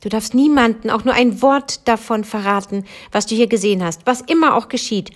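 A woman's voice: on the high side, fairly quick, natural voice. A mysterious man in black from a storybook calls out a grave, urgent warning, as a woman reading aloud voices him. His tone is earnest and insistent. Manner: urgent, pleading then warning.

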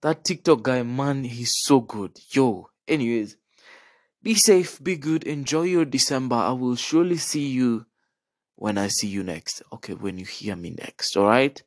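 A young man with a Kenyan accent tells stories in a casual, animated, chatty monologue, checking in with the listener and dropping in Swahili slang. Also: mid-range voice, a little slow, dry recording, clean studio sound. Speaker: podcast host.

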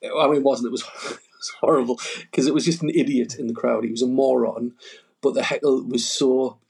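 A man's voice: medium pitch, fairly even intonation, a little fast, creaky, a little mellow, husky. A man, a stand-up comedian, telling stories in a rambling, casual way full of fillers and chuckles. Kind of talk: casual storytelling chat.

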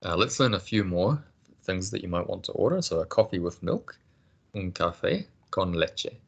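A man teaching a casual language lesson, patient and encouraging, explaining things slowly. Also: sits low, lively intonation, gravelly, slightly rough, muffled recording.

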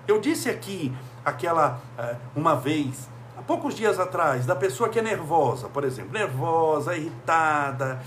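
A man's voice: on the high side, lively intonation, measured pace, hardly any pauses, a bit bright, a little hiss or hum. A man from Brazil giving a motivational talk, full of emphatic rhetorical questions. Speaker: speaker.

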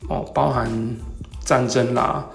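A man with a Taiwanese Mandarin accent and a gravelly voice hosts a solo podcast talk, explaining things in a halting way with hesitant pauses. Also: mid-range voice, fairly even intonation, soft background music. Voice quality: gravelly, creaky. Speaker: podcast host. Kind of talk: solo talk explaining tech and market topics.

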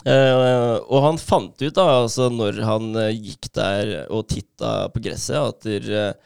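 A man retelling a story in casual podcast chat, lively and full of fillers and laughs. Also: on the low side, creaky, clean tone, no room sound, clean studio sound. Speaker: podcast co-host.

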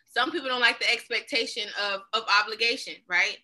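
Woman, African American accent, high and very bright voice, emphatic slangy casual talk with free swearing. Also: a little fast, rough recording. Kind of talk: casual opinionated chat.

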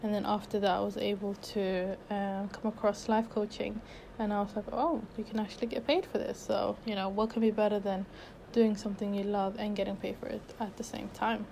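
Chatty young woman with a flat, mellow voice. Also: medium pitch, brisk, vocal fry, slight background noise, low-quality recording. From Sweden. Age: 20s. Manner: chatty, upbeat, loose with many fillers and restarts. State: a bit out of breath. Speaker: podcast host and life coach. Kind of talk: casual unedited solo podcast.

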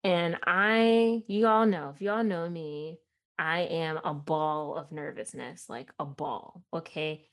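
A young woman from Chicago talks through her podcast in a loose, rambling way, with a mild Midwestern accent. Her voice sits a little low, and she fills gaps with "um" and "like" and laughs at herself often. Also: slow pace, a bit bright. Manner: chatty, self-deprecating, laughs often, many fillers. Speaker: podcast host. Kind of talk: casual solo podcast chat.

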